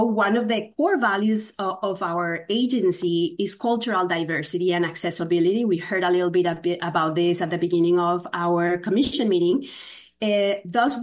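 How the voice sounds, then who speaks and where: A woman with a Spanish accent gives a formal presentation to a commission. Her voice sits a little low, and she speaks in a measured way, often pausing on "uh". The tone stays steady and informative. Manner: frequent "uh" fillers, measured delivery. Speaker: state agency program presenter.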